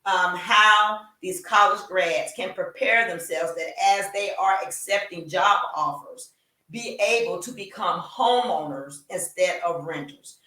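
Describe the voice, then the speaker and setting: A woman's voice: fairly low pitch, a little slow, bright, forceful tone. A middle-aged woman hosting a talk show, chatting casually with frequent fillers and restarts. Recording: roomy echo, distant from mic.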